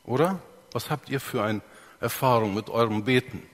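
A man's voice: mid-range voice, moderate pace. Male preacher, teaching sermon, explains step by step and asks his listeners questions, long hall reverb. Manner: explains step by step, acts out examples, asks the audience.

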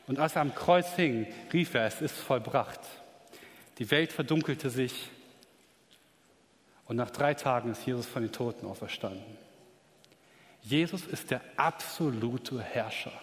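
Emphatic preacher in a reverberant hall. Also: male voice, mid-range voice, measured pace, pauses often. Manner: emphatic, rising to excited peaks. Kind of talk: sermon.

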